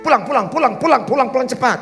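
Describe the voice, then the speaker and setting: A man's voice: very high-pitched, animated, racing, a bit bright, soft background music, pitched above the performer's own voice, heavily acted. A man, a preacher, acting out a bossy, possessive young girlfriend who nags her boyfriend with repeated orders. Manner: nagging, repeating commands.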